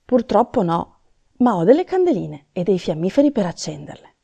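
A woman voicing a tired old Santa Claus in a storybook reading, gloomy, gentle and weary. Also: medium pitch, very animated, moderate pace, vocal fry, slightly rough, heavily acted.

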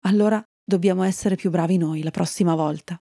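A woman's voice: fairly low pitch, fairly even intonation, brisk, warm tone, dry recording, clean studio sound. A woman doing an earnest young male unicorn.

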